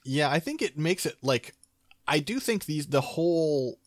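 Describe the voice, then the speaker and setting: A man co-host teasing his partner in casual chat. His pitch moves in a lively way, and his voice sounds dry and close, with no room echo. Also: measured pace. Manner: teasing, playful. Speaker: podcast co-host.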